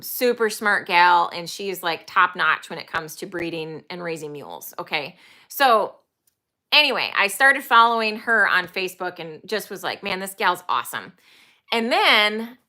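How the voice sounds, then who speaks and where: A woman's voice: medium pitch, sharp tone. A woman in her forties, chatting casually to camera about her animals, rambling and enthusiastic with plenty of ums. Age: 40s. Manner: enthusiastic, emphatic. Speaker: horse trainer and channel host. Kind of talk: casual vlog talk to camera.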